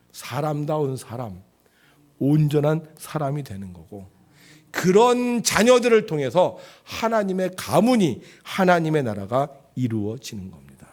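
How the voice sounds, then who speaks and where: A male pastor giving a Sunday sermon. He asks the congregation questions and answers them himself, and he swings between loud emphasis and soft, low asides. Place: church sanctuary.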